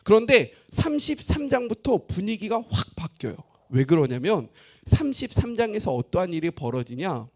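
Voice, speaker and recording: A man's voice: high-pitched, sing-song, normal speed, a little mellow. A man preaching a sermon as pastor, who jokes with the congregation and asks them questions.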